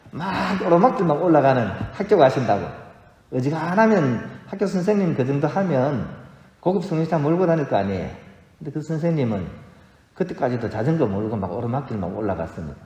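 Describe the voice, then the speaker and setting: A man's voice: mid-range voice, mellow. A man, a Catholic priest, giving a homily to his congregation, telling stories and often asking the listeners questions. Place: large church. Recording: echoey church hall with long reverb.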